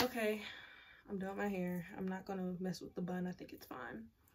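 Over light background noise, a woman sounds somewhat breathy, with ordinary pitch variation. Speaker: beauty vlogger. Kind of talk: casual vlog chat. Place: home room. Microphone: phone near.

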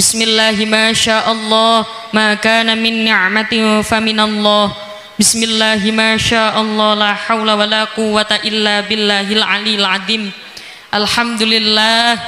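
Amid noticeable background noise, a man uses a raised, projected voice at a high pitch, fairly slow pace, monotone, flat intonation and very even loudness. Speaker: Islamic preacher. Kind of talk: religious sermon. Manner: humorous.

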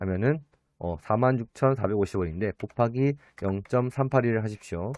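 This man talks very slowly with lively intonation on a very clean recording with a silent background. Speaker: stock chart analysis youtuber. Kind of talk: tutorial. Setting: at hometown, recording on old computer. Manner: casual, filler-heavy explanation.

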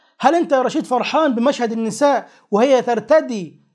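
Over a quiet background, a man with an Egyptian accent speaks at an extremely high pitch and a moderate pace with ordinary pitch variation. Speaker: religious YouTuber. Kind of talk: polemical commentary video. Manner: mixes formal Arabic and colloquial Egyptian. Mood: sarcastic, argumentative. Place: studio. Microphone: lapel.

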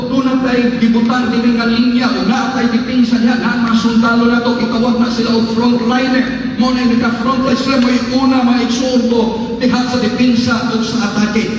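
An extremely high-pitched male voice with monotone, flat intonation, a moderate pace, hardly any pauses, strong room echo and light background noise. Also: very even loudness. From Philippines. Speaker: preacher. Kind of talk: sermon. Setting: church. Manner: call-and-response. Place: hall.

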